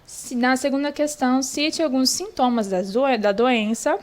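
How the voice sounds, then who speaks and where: High-voiced woman teacher explaining slowly. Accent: Brazilian Portuguese. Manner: patient, explains slowly and repeats key points to children. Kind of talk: online lesson walking through a worksheet.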